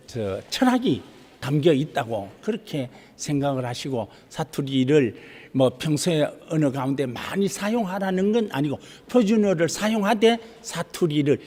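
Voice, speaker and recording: Halting man in a reverberant hall. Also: a little high, a little mellow, slightly rough. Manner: halting, with long pauses and fillers. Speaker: interviewee. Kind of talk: interview comments.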